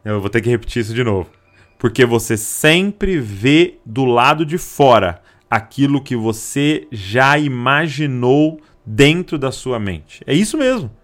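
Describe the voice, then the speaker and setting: A man's voice: mid-range voice, expressive, measured pace, fairly bright tone. Emphatic Brazilian preacher, man. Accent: Brazilian Portuguese. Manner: emphatic preaching, repeats key lines, acts out the voices of the people in his stories. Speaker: pastor. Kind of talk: sermon.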